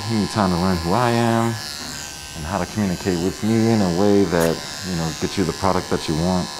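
A man talks fairly quickly with a very deep, low pitch and ordinary pitch variation while noticeable background noise runs beneath. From Eastern Pennsylvania, near Allentown; Eastern Pennsylvania. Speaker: barber. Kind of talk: tutorial. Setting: barbershop. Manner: animated. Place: shop.

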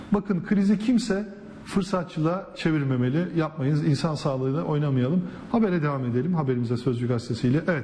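This man talks at a very fast pace in a fairly high voice, with lively intonation and very even loudness. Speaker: local TV news presenter; TV news presenter. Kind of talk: morning news show. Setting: studio. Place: studio.

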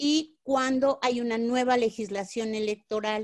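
Against a quiet background, a woman talks in a high pitch with fairly even intonation. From Mexico. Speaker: historian. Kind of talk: lecture. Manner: halting, many fillers. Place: home room. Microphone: webcam.

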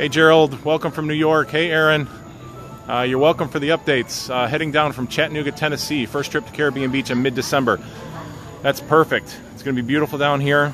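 Music plays in the background as a man talks at a very fast pace. The sound is dry with no echo, and his intonation is monotone and flat. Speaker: live stream host. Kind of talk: casual live tour commentary. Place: street. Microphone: phone near.

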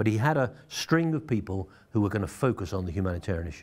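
Speaking at a very fast pace with a British accent, a man uses lively intonation at a fairly low pitch. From England. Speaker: retired army general; interview guest. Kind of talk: interview. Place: studio.

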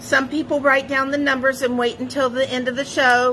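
A woman uses a raised, projected voice in a monotone, flat intonation. Light background noise can be heard. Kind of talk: casual live sales chat. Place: shop. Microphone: phone near.

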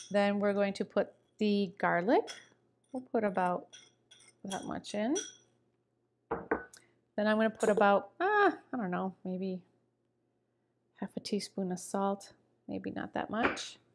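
Through noticeable background noise, a woman talks at a very slow pace with fairly even intonation. She leaves long, frequent pauses. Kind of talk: tutorial. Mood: friendly, relaxed. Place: kitchen.

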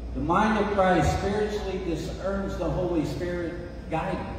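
Heard with strong room echo and light background noise, a man speaks at a fairly slow pace. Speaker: pastor. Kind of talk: sermon. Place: stage. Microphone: camera far.

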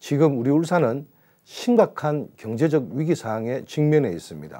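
Over a quiet background, a man with a fairly high pitch and a dark, mellow tone speaks at a fairly slow pace with very wide pitch swings. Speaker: city council member. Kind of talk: acceptance speech. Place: studio. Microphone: lapel.

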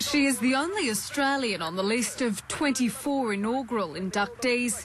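A woman's high-pitched voice with lively intonation, at a moderate pace, over noticeable background noise. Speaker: TV news reporter. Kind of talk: TV news report.

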